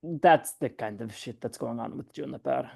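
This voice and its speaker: A woman playing a guarded, skeptical scientist adventurer in a tabletop game, sardonic and halting, with some swearing and a creaky voice. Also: extremely low pitch, a little mellow, dry recording, exaggerated voice. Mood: guarded, exasperated.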